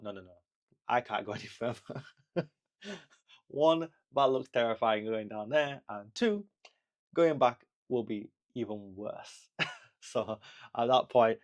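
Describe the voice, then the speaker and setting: A man's voice: mid-range voice, highs cut off. Chatty man rambling through a travel vlog. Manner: chatty and rambling, with frequent laughs and restarts; reassuring and encouraging the viewer. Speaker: travel vlogger. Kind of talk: casual travel vlog talk.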